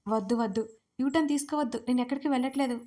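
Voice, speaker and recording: A woman's voice: high-pitched, steady tone, racing, warm tone, natural voice. A woman voicing a pouting, pleading young wife in a romance audio story, coaxing and pouty.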